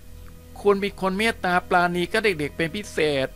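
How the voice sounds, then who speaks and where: A woman's voice: medium pitch, normal speed, fairly bright tone, faint music behind, pitched above the performer's own voice, lightly acted. A man voicing a prim, strict young female teacher who talks in a formal, fussy, complaining way. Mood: curious.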